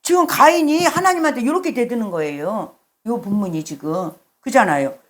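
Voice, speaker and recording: A woman's voice: fairly high pitch, animated, moderate pace. Woman pastor quizzing her congregation. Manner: conversational, quizzing the congregation with questions. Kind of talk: sermon. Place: church service.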